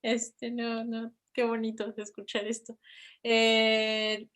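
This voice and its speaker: A woman's voice: fairly high pitch, monotone, slow, a bit bright. A woman from Oaxaca with a Mexican Spanish accent, a film director speaking thoughtfully and hesitantly.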